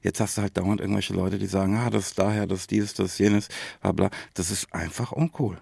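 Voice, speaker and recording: A man with a low, creaky voice and chats casually as a podcast co-host. His speech is slangy and full of tag questions, recorded very dry. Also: fairly even intonation, fairly quick, a little mellow, dry recording.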